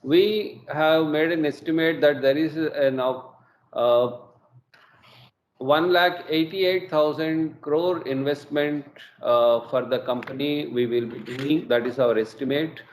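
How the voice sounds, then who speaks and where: A middle-aged man with an Indian English accent presents quarterly results on an earnings call, measured and full of hesitations. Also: fairly high pitch, fairly even intonation, a little hiss or hum. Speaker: company executive presenting results. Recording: echoey room with faint ambience.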